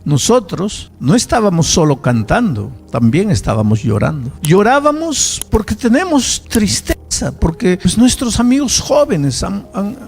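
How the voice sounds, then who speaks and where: A man voicing an earnest young woman who speaks to a grieving father with gentle hope. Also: fairly high pitch, big pitch swings, moderate pace, vocal fry, few pauses, soft background music. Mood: earnest hopeful. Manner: earnest, consoling.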